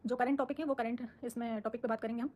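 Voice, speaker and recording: Woman, live stream, answering viewer comments, firm, defensive, rapid talk, higher voice. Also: fairly even intonation, lo-fi sound. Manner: firm, defensive, speaks her mind. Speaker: social media creator on a live stream.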